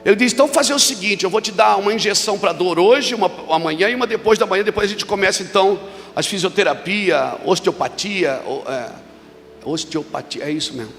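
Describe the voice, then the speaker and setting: A man preaching at a church conference, telling a story and then shouting emphatic declarations to the congregation. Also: high voice, a little fast. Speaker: pastor. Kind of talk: sermon with storytelling. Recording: long reverb of a large hall with music.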